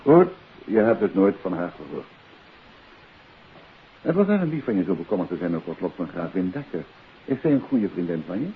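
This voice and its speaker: A man's voice: low voice, big pitch swings, normal speed, long pauses. A man playing a confident author-detective in a 1950s radio play, coaxing and insistent as he questions. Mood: probing. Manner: urbane, persistent, adds questioning tags. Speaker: radio drama lead actor. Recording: hissy, muffled 1950s radio recording.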